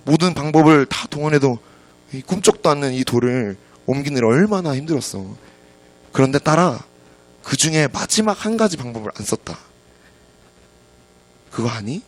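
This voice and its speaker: A male preacher voicing a gentle father who speaks softly and tenderly to his child. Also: medium pitch, expressive, normal speed. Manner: soft, hushed and tender. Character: gentle, warm-hearted father comforting his daughter.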